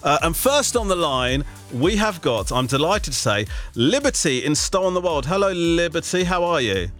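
A man hosting a radio call-in game, chatting in a lively, self-deprecating way with joking asides. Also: fairly high pitch, moderate pace, faint music behind. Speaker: radio host.

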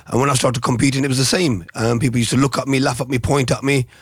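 A middle-aged man, a former boxer recalling his early years in a hesitant, soft-spoken interview. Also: medium pitch, little pitch movement, fast talker, slightly rough, no room sound, studio quality. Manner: soft-spoken, hesitant, many ums and restarts.

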